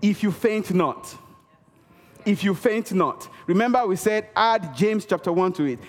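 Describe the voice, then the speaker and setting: The preacher's voice sits high, animated and unhurried, echoing through a reverberant church hall. He delivers his sermon emphatically, repeating key words for effect and calling on the congregation to respond.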